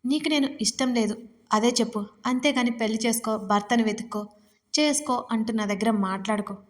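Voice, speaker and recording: A woman's voice: fairly high pitch, a little fast, natural voice. A woman voicing a tearful young wife who pleads emotionally in an audio story. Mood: pleading.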